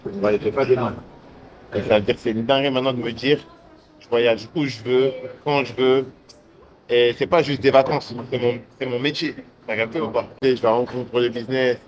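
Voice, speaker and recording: A man's voice: medium pitch, fairly even intonation, a little fast. A young man vlogging casually to the camera as he travels, in hyped, slangy street talk. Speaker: entrepreneur vlogger. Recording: noisy traffic and street background.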